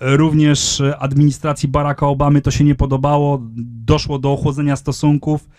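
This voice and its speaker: Man, thirties, conference lecture, handheld mic, somewhat high voice, flat intonation, measured and hesitant. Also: no room sound. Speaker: conference speaker. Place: lecture room, indoors. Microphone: handheld microphone.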